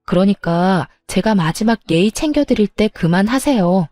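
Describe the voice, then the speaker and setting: A woman narrating a dramatized first-person story as a daughter-in-law, with sharp, defiant retorts. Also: medium pitch, animated, moderate pace, no echo, soft background music.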